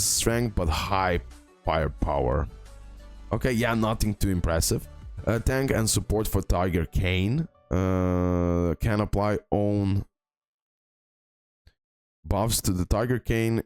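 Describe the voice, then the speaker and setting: Deep voice guy, casual gaming youtuber thinking out loud, bit of music behind. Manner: hesitant, thinking aloud, repeats phrases for emphasis. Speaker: video game YouTuber. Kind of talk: casual game tier-list commentary. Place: indoor screen-recording voice-over.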